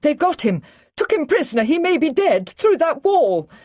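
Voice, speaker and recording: A woman voicing a frightened young woman scientist in an audiobook, with high, breathless cries. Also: big pitch swings, fairly quick, no room sound, clean studio sound. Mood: panicked. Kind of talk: audiobook character reading.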